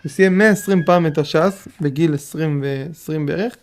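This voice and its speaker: A man giving a Torah lesson, reading from a Hasidic text and explaining it patiently to his listeners, often repeating phrases. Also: fairly high pitch. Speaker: teacher of Hasidic texts.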